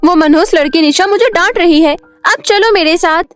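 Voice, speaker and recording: A vain, spiteful cartoon teen as a woman puts her on, with a high, whiny and taunting voice. Faint music sits beneath her. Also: moderate pace. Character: spoiled, spiteful teenage girl, vain. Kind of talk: storybook cartoon voice acting.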